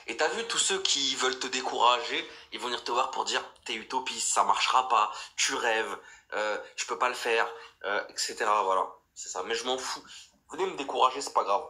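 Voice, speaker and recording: A man's voice: mid-range voice, bright, forceful tone. A young man from France hosting a livestream, talking in a fired-up, rambling way with lots of restarts and fillers. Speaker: livestream host. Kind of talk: casual livestream chat.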